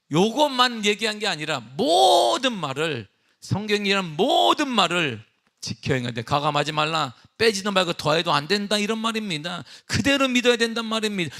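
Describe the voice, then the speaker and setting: In a church sanctuary, a middle-aged pastor with a high-sitting voice preaches a sermon, emphatic and calling out questions for response, before relaxing into a personal story.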